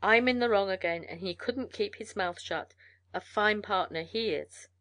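A woman's voice: mid-range voice, moderate pace, a bit bright, no echo, lightly acted. Resentful, defensive male prospector for an audiobook, voiced by a woman: harsh, terse, brooding. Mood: bitter, brooding. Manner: harsh, terse frontier speech. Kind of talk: storybook character voice in narration.

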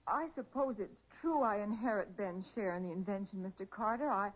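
An actress playing a bereaved sister, hesitant and plaintive, in the style of 1940s radio crime drama. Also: female voice, medium pitch, fairly quick, lightly acted. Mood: subdued, hesitant. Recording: dull, muffled 1940s radio recording.

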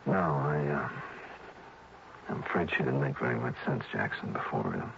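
An actor playing a tough, wry insurance investigator who talks brisk and insistent. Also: male voice, very deep voice, animated, creaky, full character voice. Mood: determined. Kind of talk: 1960s radio drama acting. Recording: muffled old radio broadcast with hiss.

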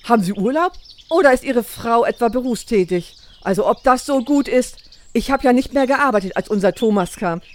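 A woman's voice: a little high, animated, fairly quick, natural voice. An actress playing a chatty, nosy older female neighbour in a radio play, gushing and rambling. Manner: gushing, rambling, overbearing, judgmental. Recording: outdoor scene with birdsong.

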